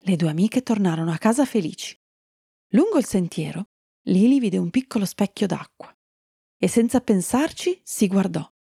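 Husky woman reading a children's story. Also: mid-range voice, animated, moderate pace, mellow, dry recording, studio quality. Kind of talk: storybook narration.

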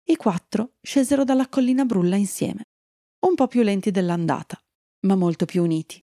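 A woman storyteller gently reading a fairy tale to children and chatting kindly with her young listeners. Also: mid-range voice, normal speed, no echo, studio quality.

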